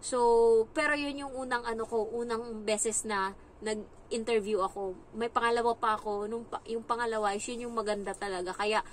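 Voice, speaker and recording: Lively young Filipina vlogger. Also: female voice, fairly high pitch, brisk, slight background noise, poor audio. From Philippines. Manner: lively storytelling, acts out other people's lines. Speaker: vlogger, domestic helper. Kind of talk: casual advice chat. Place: employer's home abroad.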